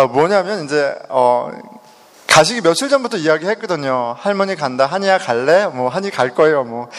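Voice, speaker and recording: A middle-aged man from South Korea tells a personal story to an audience, laughing as he goes. His voice is on the higher side and moves a lot in pitch. It rings with a long reverb, as if recorded in a large hall. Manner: animated storytelling, laughing often. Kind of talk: personal testimony.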